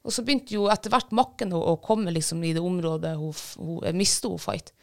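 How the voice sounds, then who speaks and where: A woman's voice: lowish voice, gravelly. A woman, a bird dog handler, casually retelling a field trial with many fillers and restarts. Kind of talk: casual storytelling.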